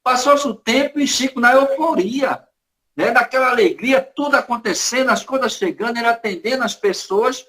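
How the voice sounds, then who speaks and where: A man's voice: very high-pitched, normal speed, pushed and bright. A man with a Brazilian accent giving a spiritist lecture, telling stories with dramatic emphasis. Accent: Brazilian Portuguese. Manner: storytelling, dramatic, varied emphasis.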